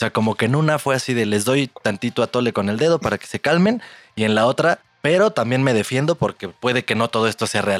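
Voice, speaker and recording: Recorded with a dry, close sound and no echo, a man speaks very fast at a medium pitch with ordinary pitch variation. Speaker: podcast co-host. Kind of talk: casual chat.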